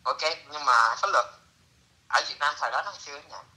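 A middle-aged man telling a story in a casual, lively way, slipping into broken English phrases. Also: mid-range voice, fairly quick, poor audio. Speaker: interviewee.

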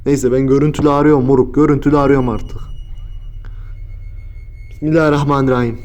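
A man's voice: mid-range voice, steady tone, brisk, muffled recording, faint music behind. A young man filming a scare prank vlog, talking in slang and swinging from mutters to frightened yelps. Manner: slangy, exclaiming, swings between mumbling and yelling. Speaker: YouTuber.

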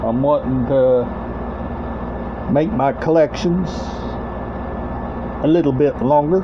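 A middle-aged man talking casually to camera as a vlog host, in halting short phrases with repetition, recorded indoors at home. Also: mid-range voice. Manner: halting, short broken phrases, repeats himself. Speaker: host of a collection video channel. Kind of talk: casual rambling show-and-tell vlog. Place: small room at home, indoors. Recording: dull lo-fi webcam-like sound, clear background noise.

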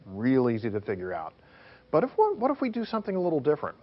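Male technical instructor, lively intonation, emphatic step-by-step explainer, slightly muffled sound. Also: medium pitch, quick pace. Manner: didactic, emphatic, poses questions then answers them.

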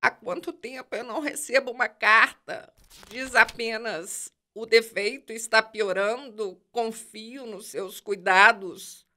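Woman acting elderly female detective, grumpy, reclusive, slightly high voice, forceful, curt, dramatic, radio play. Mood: puzzled, intrigued.

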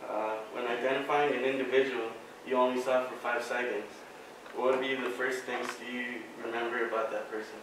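A man runs a classroom mock jury questioning, pausing with fillers between questions. His voice is heard from across an echoey lecture hall. Steady background noise sits under it. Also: mid-range voice. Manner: hesitant, filler-heavy questions. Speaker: student questioning mock jurors. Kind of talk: classroom role-play questioning. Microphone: far camera. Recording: echoey hall from far off, noisy.

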